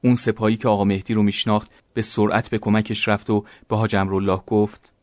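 A man reads scripted narration in a low voice that barely moves in pitch. He tells the story in an even, level way, and the sound is close and dry. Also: no room sound.

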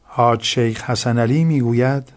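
A man narrating a scripted story in a plain, measured manner. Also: mid-range voice.

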